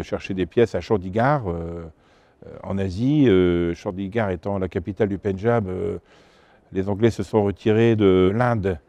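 Low, mellow-voiced man being interviewed. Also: no echo, muffled recording. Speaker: antiques dealer and auctioneer, interview guest. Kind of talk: informal interview answers. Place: exhibition hall stand, indoors. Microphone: lapel mic.

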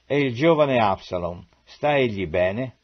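A man's voice: medium pitch, animated, unhurried, muffled recording. A man reading as a grieving old king. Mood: grave. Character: grieving old king mourning his son.

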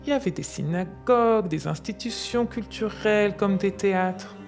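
A woman's voice: medium pitch, moderate pace, a little mellow, natural voice. A woman as an older, patient grandmother explaining history to a child in a storytelling way. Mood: patient, explanatory. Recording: music under the voice.

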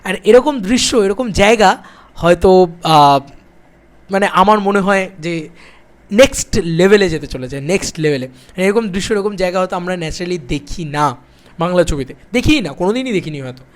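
High-voiced excited man. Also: normal speed. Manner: excited, piles up repeated phrases. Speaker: film vlogger. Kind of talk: casual direct-to-camera film chat.

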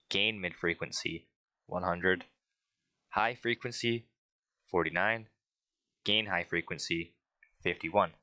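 A man's voice: sits low, bright, forceful tone, no room sound. A man giving a casual spoken tutorial, rambling a little as he reads out settings. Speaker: tutorial creator.

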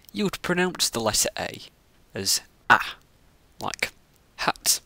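Guy teaching latin pronunciation, really slow and careful, crisp bright tone. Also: on the low side, no echo. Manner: slow, careful, explains each sound. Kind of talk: scripted lesson narration.

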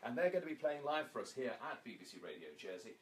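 A man's voice: mid-range voice, big pitch swings, quick pace. A middle-aged man speaking as a radio presenter, chatting and making live introductions in a noisy room. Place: indoor office room at a radio station. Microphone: handheld reporter microphone with headphones. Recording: noisy room recording on camera.

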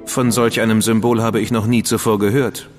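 A man's voice: lowish voice, little pitch movement, fairly quick, long reverb tail, soft background music, natural voice. A man playing a self-assured Victorian agent. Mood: probing. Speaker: agent of the crown. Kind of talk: studio radio drama acting.

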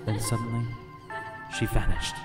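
A male actor plays a haunted man stranded on a space station, telling his story in an audio drama. His voice is on the low side and full of grief and resolve. It sits in a strong echo under loud music. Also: level tone, moderate pace, lightly acted. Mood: haunted, fearful. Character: haunted male space station survivor, fearful, grieving, determined. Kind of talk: first-person audio drama narration and acting. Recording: echoey, loud music behind the voice.

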